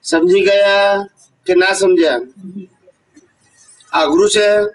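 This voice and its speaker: A man's voice: sits high, steady tone, takes it slowly. A man giving a devotional discourse to a gathering as a spiritual teacher, telling stories, asking rhetorical questions and often checking that his listeners understood. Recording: voice picked up from a distance.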